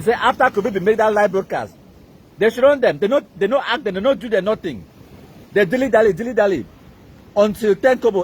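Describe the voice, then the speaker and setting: High-voiced Cameroonian man ranting. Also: darkish tone, a little hiss or hum. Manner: emphatic, repetitive, mixing pidgin and English. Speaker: live-stream commentator. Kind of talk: live-stream rant.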